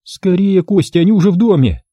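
A male narrator voicing a hysterical young woman who squeals, scolds and pleads in a shrill voice. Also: animated, a little fast, dark tone, husky, no echo, studio quality. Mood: panicked.

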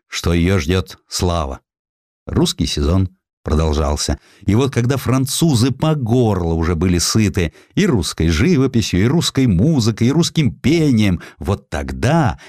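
A man with a deep voice narrates a literary piece of history. His delivery swings widely in pitch and is theatrical, shaped by dramatic pauses. The sound is dry and close, as from a studio microphone. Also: a little mellow, dry recording. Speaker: audiobook narrator.

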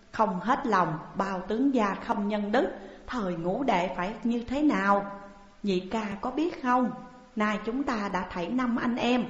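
A woman voicing a young man who pleads tearfully with his elder sworn brother, in a storybook reading. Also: on the high side. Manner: pleading, plaintive. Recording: dull echoey hall recording.

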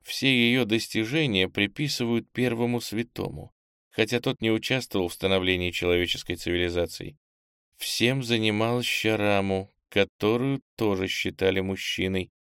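A man reading a fantasy novel as an audiobook narrator, in an even, measured way. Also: on the low side, clean tone, no room sound, studio quality.

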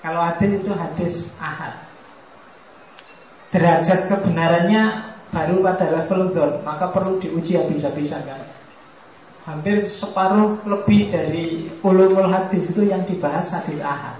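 A man giving a relaxed religious study lecture in a mosque hall, joking and putting questions to his audience. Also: high voice, moderate pace, a little hiss or hum. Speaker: philosophy lecturer. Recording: echoey hall, distant mic, muffled.

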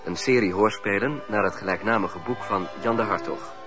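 A man's voice: lowish voice, moderate pace. A man formally reading out the title and cast of a radio drama as its announcer. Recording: dull radio recording over music. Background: music.

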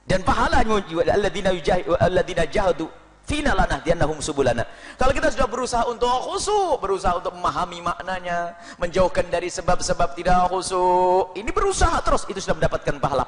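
Brief: fast, expressive male preacher, bright pitch, big swings, recorded in a reverberant hall with a crowd present. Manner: animated, acts out little scenes, laughs. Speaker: preacher answering questions. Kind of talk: religious lecture. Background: audience.

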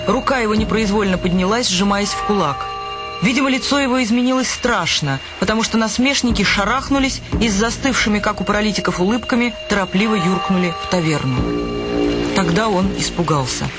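A man reading scripted literary narration for a radio play, with music behind his voice. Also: high voice.

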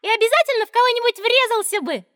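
A woman voicing a clever schoolgirl who makes quick, thoughtful comparisons in a children's audio drama. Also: very high voice, fairly bright tone, no room sound. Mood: bright. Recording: dry studio recording.

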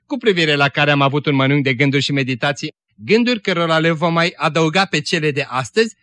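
A man hosting a Christian radio program, reading a story aloud in a solemn, measured way. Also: fairly high pitch, a bit bright. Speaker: radio program host and reader.

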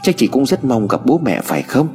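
A man voicing a gentle little orphan girl in an audio story, with a childlike, raised voice. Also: mid-range voice, very animated, a little fast. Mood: pleading. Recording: hall reverb with music bed.

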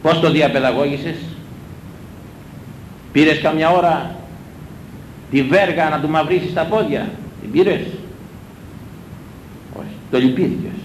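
A man preaching a sermon, scolding his listeners with rhetorical questions and hammering his points home through repetition. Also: long pauses. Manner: emphatic, repetitive exhortation. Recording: echoey room with low rumble.

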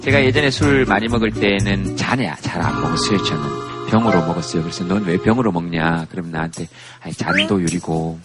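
A man's voice: deep voice, fairly quick, loud music behind the voice. A middle-aged man hosting a talk show before a studio audience, bantering and teasing guests. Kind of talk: casual chat with studio audience.

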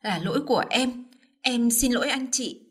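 Brief: woman voicing a young villainess, high and breathy, cruel and deceitful. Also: moderate pace. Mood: feigned trembling. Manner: shrill menace, then feigned tearful stammering.

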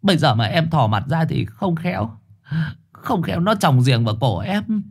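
A man's voice: on the high side, very animated, normal speed, slightly rough, voice pushed up, exaggerated voice. A man doing a stammering young stray dog. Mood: pleading. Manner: stammering, pleading. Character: young timid male stray dog, pleading.

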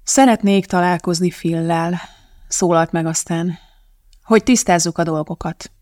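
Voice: medium pitch, fairly even intonation, a little mellow, no echo, clean studio sound, natural voice. A reader voicing a blunt, determined mother. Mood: firm. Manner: firm and matter-of-fact. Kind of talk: audiobook character voice.

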